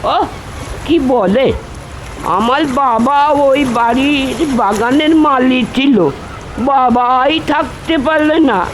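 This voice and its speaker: A performer playing a simple village lad, halting and plain-spoken, in a dramatized audio story. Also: sits high, a little hiss or hum, low-quality recording. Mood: halting, matter-of-fact. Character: simple local village lad, son of the gardener.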